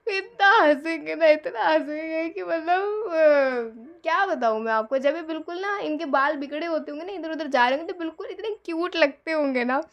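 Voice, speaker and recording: A woman with a high-pitched voice giving a casual tarot reading. She chats and giggles freely, slipping into small acted-out scenes of couples, lively and informal throughout. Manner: giggly, chatty, acts out little scenes. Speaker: tarot reader.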